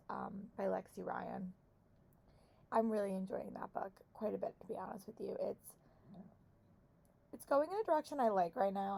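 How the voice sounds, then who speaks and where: A young adult woman with a hoarse voice chatting casually about her reading and teaching day, rambling with many fillers. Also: medium pitch, warm tone, rough recording. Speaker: book vlogger and theater teacher. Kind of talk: casual vlog chat.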